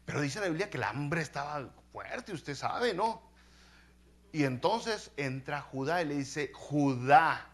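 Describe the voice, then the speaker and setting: A male pastor preaching in a fairly high voice. He retells scripture in a lively, casual way, full of colloquial slang, like telling a story to his congregation. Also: measured pace. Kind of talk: sermon retelling a Bible story.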